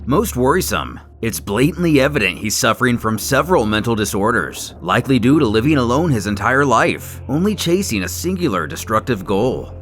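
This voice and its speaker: A man's voice: mid-range voice, big pitch swings, fairly quick, few pauses, a bit bright. A man narrating a scripted story in a dramatic, theatrical manner. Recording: music under the voice. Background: music.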